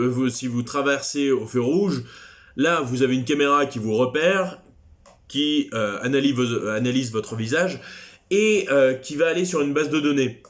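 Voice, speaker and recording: Guy teacher doing a recorded french class, rambling, jokey little asides, middle pitch. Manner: chatty, digressive, self-deprecating asides.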